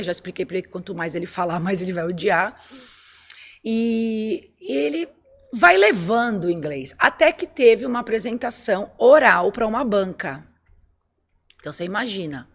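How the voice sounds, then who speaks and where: A woman in casual conversation, telling a story about her son with lively quoted dialogue. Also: medium pitch, moderate pace.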